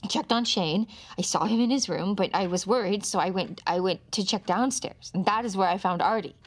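An actress playing a frantic, grieving mother who stammers and rises to desperate shouts under police questioning. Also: mid-range voice, a little fast, natural voice. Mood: anxious.

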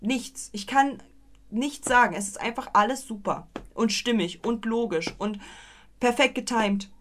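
A woman's voice: on the high side, unhurried, a bit bright. Young woman, podcast co-host, casual and chatty, rambles and restarts, playful. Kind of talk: casual film review chat.

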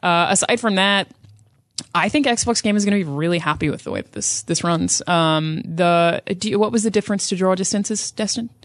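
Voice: medium pitch, brisk, dry recording. An emphatic, opinionated panelist chatting casually about video games on a talk show.

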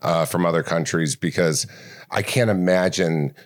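A man with a very deep voice hosts an interview. He asks long, wandering questions and builds them as he speaks. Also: normal speed. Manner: probing, thinks aloud in long questions. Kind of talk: conversational interview.

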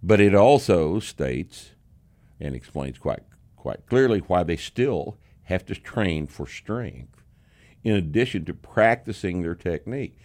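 A man with a slight Texas accent hosting a casual podcast, talking in a gruff, profane, sarcastic way. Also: sits low, expressive, slow pace, a little mellow. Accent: Texan. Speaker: podcast host, strength coach.

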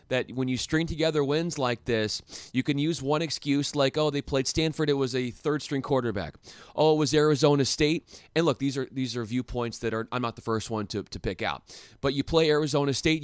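A young man hosting a solo sports podcast, talking in an animated, excitable way with frequent restarts and rhetorical questions. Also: mid-range voice, clear, resonant tone, dry recording, studio quality. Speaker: podcast host.

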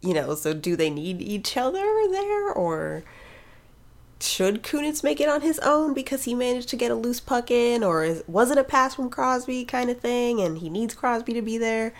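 A woman's voice: fairly high pitch, big pitch swings, normal speed. Chatty woman talking hockey. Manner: chatty, wry, laughs often. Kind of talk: casual sports chat.

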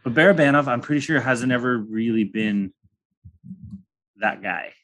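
A man's voice: mid-range voice, moderate pace, fairly bright tone. A young man hosting a casual sports podcast. He rambles and jokes, slipping into crude humor, with an everyday mid-range voice. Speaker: podcast host.

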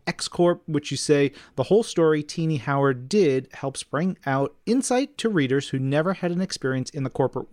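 A man's voice: a little high, no echo, clean studio sound. A man co-hosting a podcast, chatting informally and enthusiastically and reading out listener mail. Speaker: podcast co-host.

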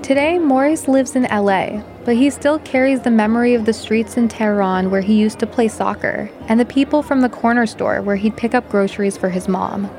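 A woman reporter giving a measured, scripted news narration. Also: on the high side, darkish tone.

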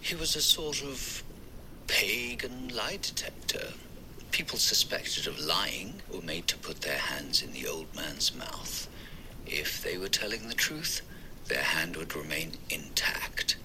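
An actor playing a chatty older father who drops to a hush when telling stories. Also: lowish voice, very animated, moderate pace, background noise. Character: genial older father, fond of trivia.

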